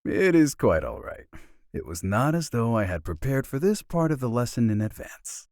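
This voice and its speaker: A man's voice: mid-range voice, sing-song, normal speed, darkish tone, dry recording, studio quality, natural voice. An actor playing a courteous, formal male reaper escort in a visual novel game, with a mannered way of speaking.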